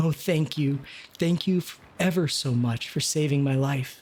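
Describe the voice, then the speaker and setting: Squeaky and fairly high for a man, this is a put-on character voice. He speaks at a moderate pace. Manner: grateful.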